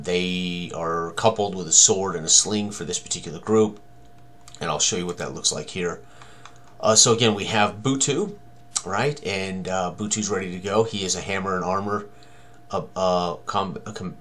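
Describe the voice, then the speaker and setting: A man in his sixties walking through tabletop game combat rules as a tutorial, halting and thinking aloud as he works. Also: low voice, fairly bright tone.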